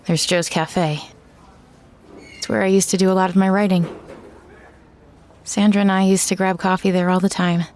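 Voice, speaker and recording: A woman's voice: mid-range voice, flat delivery, moderate pace, pauses often, a little mellow, a little hiss or hum, close to an everyday voice. An actress playing a bitter woman writer who returns to a hometown that shuns her, narrating an audio drama in a terse, brooding way. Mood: brooding, wary. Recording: music behind the voice.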